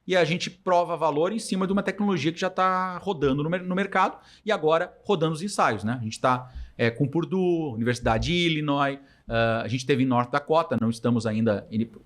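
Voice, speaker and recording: A man with a southern Brazilian accent and a slightly high voice, talking very quickly. He speaks casually as an interview guest, with slangy, anecdotal phrasing that slips into imagined dialogue. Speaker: podcast guest, startup founder.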